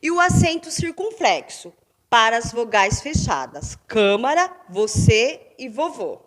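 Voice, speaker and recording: A Brazilian woman teacher giving a remote lesson to fifth graders. She speaks slowly, with a somewhat high voice that rises and falls a lot. She leans hard on stressed syllables as she sounds words out. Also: sing-song. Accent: Brazilian Portuguese.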